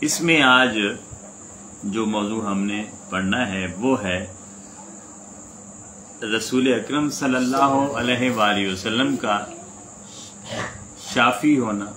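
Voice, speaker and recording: A man teaching a spoken lesson on Quranic recitation. He is patient and sounds out letters slowly, repeating them to demonstrate. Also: mid-range voice, sharp tone. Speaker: religious teacher. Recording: echoey room, faint insect noise.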